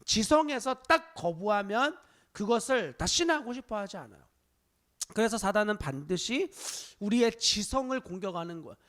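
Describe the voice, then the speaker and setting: A male pastor preaching a Wednesday service sermon to his congregation, stressing points loudly, dropping to hushed asides, and asking rhetorical questions. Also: sits high, lively intonation, moderate pace. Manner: emphatic preaching, swinging between loud stress and hushed asides. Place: church sanctuary.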